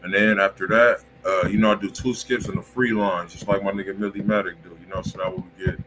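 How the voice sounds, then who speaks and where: A man's voice: deep voice, level tone, fast talker, a crowd in the background, poor audio. An American man hosting a music livestream, chatting casually in heavy slang and saying "bro" often, in a small indoor room. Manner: slangy, peppered with "bro" and filler repeats. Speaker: host of a music review livestream. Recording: clear background noise, room ambience.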